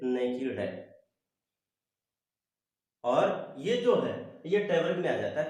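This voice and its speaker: A man teaching a Hindi grammar lesson online, slowly reciting the letters one by one. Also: fairly high pitch, a little mellow. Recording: very echoey room.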